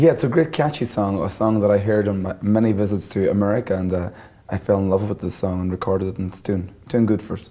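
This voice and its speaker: Talking at a very fast pace, a man with a Northern Irish accent has a fairly low voice. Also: ordinary pitch variation. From Derry, Northern Ireland. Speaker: country music singer. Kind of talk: interview answer.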